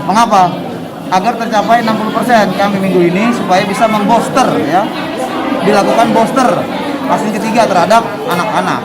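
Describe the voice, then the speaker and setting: A woman's voice: medium pitch, fairly even intonation, brisk, very noisy. A woman speaking as an official in an interview, making an exhorting public appeal with frequent tag words. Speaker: police official being interviewed. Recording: loud crowd in busy public space.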